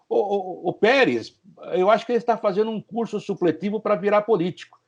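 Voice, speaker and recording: This man talks at a fairly quick pace with a high pitch and ordinary pitch variation. The sound is dry and close, with no echo. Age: 60s. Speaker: sports radio commentator. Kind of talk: sports talk show discussion. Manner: opinionated, conversational.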